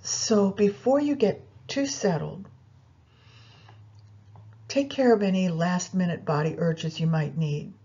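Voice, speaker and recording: A woman leading a guided yoga nidra meditation, giving unhurried instructions directly to the listener. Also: lowish voice, dark tone, breathy edge, highs cut off.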